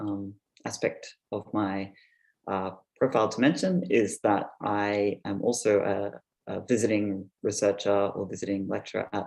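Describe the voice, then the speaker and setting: In an Australian accent, a man speaks at a moderate pace with a fairly low pitch. The recording is very clean, with a silent background. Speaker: anthropologist, lecturer. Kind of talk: academic lecture. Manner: halting, many fillers.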